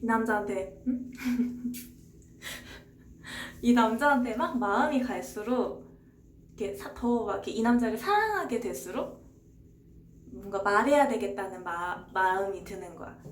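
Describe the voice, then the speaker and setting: A woman's voice: a little high, expressive, a little slow. A young woman streamer casually retelling a novel's plot, chatty and rambling, answering her viewers as she talks. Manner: chatty, rambling, answers chat with short replies. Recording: roomy echo, faint background hiss.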